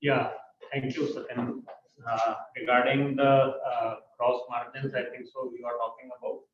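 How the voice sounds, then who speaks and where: Flat-toned man on a muffled call. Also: mid-range voice, moderate pace. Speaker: company finance executive. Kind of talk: earnings call answers, unscripted. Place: conference call. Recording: muffled, distant, echoey conference call.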